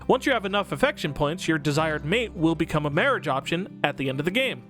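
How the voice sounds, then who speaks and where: Man, high voice, very lively intonation, casual comedic scripted narration, exaggerated emphasis, faint background music. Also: fast. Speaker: video host and game reviewer. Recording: music under the voice.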